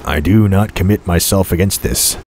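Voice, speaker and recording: A man reads a historical political speech aloud as formal oratory, with measured, deliberate phrasing. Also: low voice, darkish tone, a little hiss or hum.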